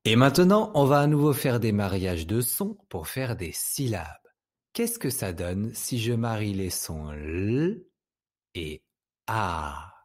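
A French-accented man gives a reading lesson to young children in a lowish voice. He speaks very slowly and patiently, stretching out each sound so it can be heard clearly. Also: big pitch swings. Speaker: teacher.

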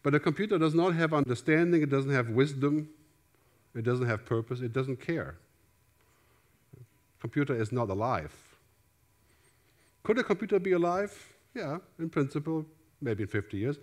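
A man's voice: mid-range voice, animated, moderate pace, pauses often. A middle-aged man with a German accent speaks from a big theater stage through a headset mic. His keynote is loose and conversational, and he keeps checking in with the audience by asking "right?". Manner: conversational, gestures widely, asks "right?" often. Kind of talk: conference keynote talk.

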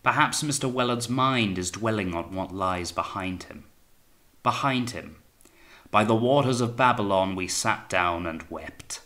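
A man voicing a paranoid, tyrannical naval captain in an audiobook sea story, taunting and accusing, swinging from quiet menace to blaring. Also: lowish voice, a little slow. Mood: sneering, taunting. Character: paranoid, sneering, tyrannical male naval captain, raging and suspicious. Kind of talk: dramatised audiobook reading of sea fiction.

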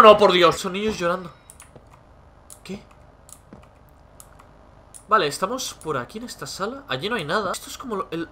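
A man's voice: a little high, bright, forceful tone, a little hiss or hum. A young man from Spain with a Spanish accent, commenting on a horror game, panicking, screaming and repeating himself. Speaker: gaming video creator.

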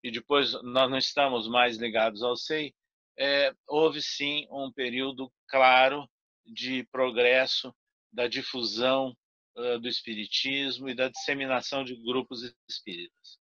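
An older man answering interview questions over a video call from his home study, speaking deliberately with frequent fillers and restarts. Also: mid-range voice, fairly even intonation, bright, forceful tone, no room sound. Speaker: guest speaker. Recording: dull lo-fi video call audio.

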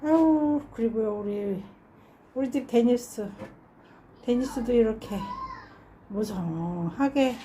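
Slow, fond woman touring her balcony garden. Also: a little high, mellow, a little hiss or hum. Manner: slow, fond, repeats flower names and sighs of delight. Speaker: home gardener showing her geraniums. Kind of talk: casual garden tour narration. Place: home balcony with plants.

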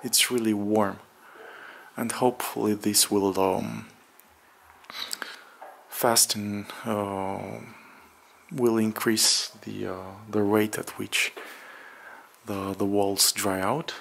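A man narrating a casual walk-through vlog in a halting, hesitant way with drawn-out pauses, recorded indoors on a handheld camera. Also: fairly low pitch, flat delivery, vocal fry, slight background noise. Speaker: vlogger. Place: bare room under renovation, indoors, windows open.

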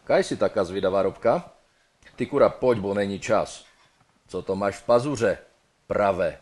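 A man voicing a dead male lover who loudly and urgently pushes his bride to hurry, partly in coarse slang. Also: mid-range voice, lively intonation, lightly acted. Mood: pushy. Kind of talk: comic dramatic reading.

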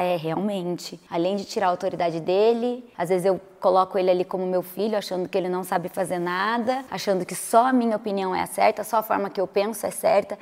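A woman's voice: mid-range voice, darkish tone, big-room sound. A Brazilian woman in her thirties talking casually to her viewers, often acting out things she used to say. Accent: Brazilian Portuguese. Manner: chatty, acts out her own past remarks. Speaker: vlogger. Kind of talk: casual reflective monologue.

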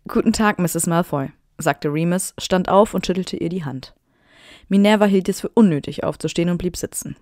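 A podcast co-host reads fan fiction aloud in a lowish voice, now and then breaking into playful, giggly asides. The sound is close and dry, with no room around it. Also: female voice, a little fast, mellow, no echo. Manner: giggly, playful asides between read passages.

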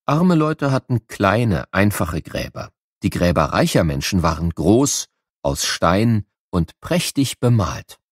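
A man with a fairly low voice narrates an educational audio book for children. He explains things clearly, in a storytelling manner, as if walking young listeners through a subject. The recording is dry and close, with little room sound. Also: no room sound.

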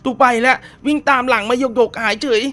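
A man's voice: very high voice, fairly quick, sharp tone. A man hosting a horror-game let's play, chatting politely with viewers and often exclaiming and laughing. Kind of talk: casual horror-game commentary.

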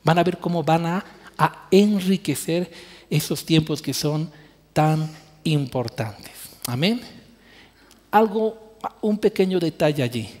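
A man's voice: fairly high pitch, slow pace, long pauses, a little mellow. A man preaching a sermon as pastor, earnest, stretching key words for emphasis. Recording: church hall reverb.

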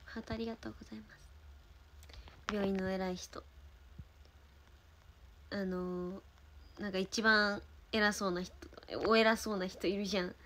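A young woman from Osaka with a Kansai accent, chatting casually on a livestream and thanking viewers between stories, sometimes dropping into soft murmured asides. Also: medium pitch, fairly even intonation, normal speed, long pauses, a little hiss or hum. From Osaka, Japan. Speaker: idol livestream host.

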